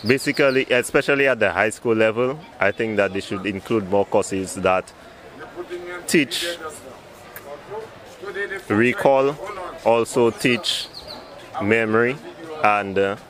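A man answering slowly, searching for his words in a street interview. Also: fairly low pitch, crowd noise.

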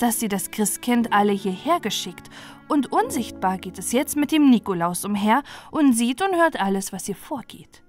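A woman voicing a kind, sensible aunt who talks to children in a gentle, instructive way, in a storybook. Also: fairly high pitch, lightly acted.

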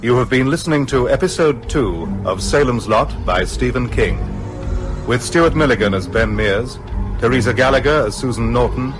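A man's voice: medium pitch, lively intonation, normal speed, over music. A man reading scripted closing credits as a radio drama announcer. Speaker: continuity announcer.

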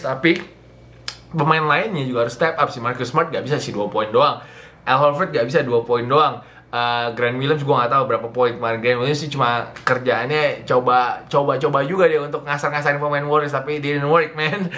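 A man's voice: on the high side, a bit bright. A man, hosting a casual, slangy sports recap and slipping English phrases into his talk. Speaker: sports channel host. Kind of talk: casual basketball recap commentary to camera. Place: small indoor living room.

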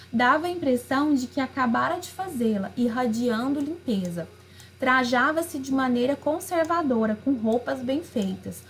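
A woman teacher with a fairly high voice reads worksheet questions aloud and then explains each answer. She talks through them in a relaxed way and fills gaps with small tags. She recorded it as a video lesson over an on-screen page. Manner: frequent fillers like "né" and "aí". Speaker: literature teacher.

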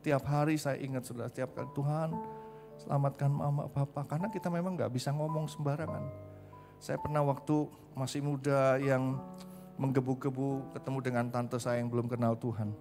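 A man's voice: mid-range voice, fairly even intonation, a little fast. Emphatic male preacher with faint music behind. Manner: emphatic, repeatedly addresses the congregation; mixes in English phrases. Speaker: pastor. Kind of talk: sermon.

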